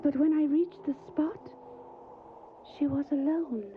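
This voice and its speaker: A woman's voice: high voice, takes it slowly. An actress playing an earnest, caring young Victorian lady in an audio drama, with a proper and solicitous manner. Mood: anxious narration. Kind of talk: audio drama acting and diary narration. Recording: phone-like, faintly noisy audio.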